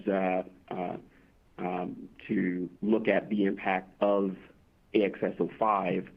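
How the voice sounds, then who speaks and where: A man answering as a company executive on a conference call, speaking haltingly and often repeating words as he reasons aloud. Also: deep voice. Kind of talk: earnings call answer, unscripted. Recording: muffled phone-line conference call.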